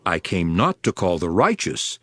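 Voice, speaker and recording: A man playing Jesus as a calm, authoritative teacher in a dramatized scripture reading, speaking in a measured, solemn way. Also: sits low. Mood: firm, reasoning. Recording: music behind the voice.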